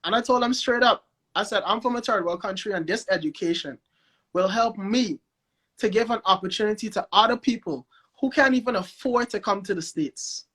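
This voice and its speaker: A man with a Guyanese accent talking as the guest in a casual live-stream interview, animated and repeating himself as he builds his points. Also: high-pitched, moderate pace. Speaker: guest, record label founder.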